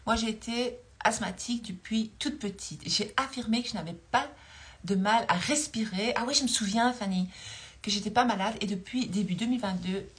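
A woman's voice: mid-range voice, moderate pace. Woman, forties, spiritual coach, casual livestream chat, frequent laughs, phone mic close up. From Belgium. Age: 40s. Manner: chatty, laughs often, reads viewer comments aloud. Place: dim room indoors. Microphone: phone held close.

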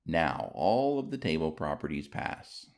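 A man narrates a scripted tutorial in a very low voice with a touch of gravel. He takes his time, and his pitch moves in a lively way as he gives each instruction. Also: unhurried.

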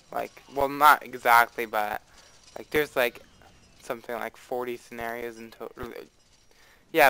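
Young man, high voice, slow rambling commentary, playful, faint hiss. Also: pushed and bright, clear, resonant tone, no echo, rough recording. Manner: rambling, playfully dramatic, squeals on rides. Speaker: let's play host. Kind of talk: casual gameplay commentary.

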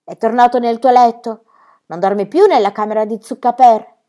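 A woman's voice: on the high side, moderate pace, warm tone, voice pushed up, natural voice. A woman voicing a young, stubborn girl in an audiobook of a children's story. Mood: upset.

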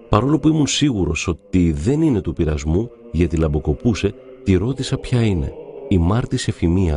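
A man narrating devout stories in a calm, measured reading. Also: deep voice. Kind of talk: reverent scripted reading of saints' stories.

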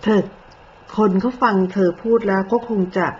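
A woman's voice: medium pitch, moderate pace. A woman in the middle of her range lays into her targets with accusing, cutting commentary, moving from polite speech to crude speech. The recording sounds a little dull, with a faint hiss of noise behind her. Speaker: online commentator. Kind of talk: scolding commentary.

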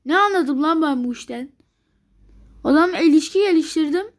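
A woman's voice: high voice, expressive, moderate pace. A woman commenting on a strategy game she is playing, grumbling in exasperation and thinking aloud to herself. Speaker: gameplay video maker.

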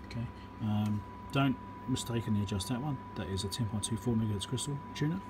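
A man's voice: lowish voice, fast. A man giving a casual, hands-on electronics repair demonstration, talking matter-of-factly through each step as he works. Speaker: electronics repairer and video host. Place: indoor electronics workbench. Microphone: handheld camera or phone microphone. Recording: loud hiss and background noise, handheld camera.

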